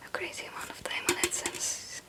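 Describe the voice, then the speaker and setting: A young woman from Belgium, a non-native English speaker, whispering a casual, hesitant and meandering ASMR chat in a breathy voice. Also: brisk. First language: not English. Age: young adult. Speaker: ASMR video creator.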